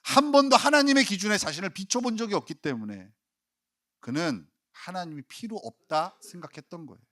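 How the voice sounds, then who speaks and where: A man preaching a sermon in a fairly high voice that swings widely in pitch. He performs the quoted complaints dramatically and builds to forceful peaks. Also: animated, fairly quick. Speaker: pastor.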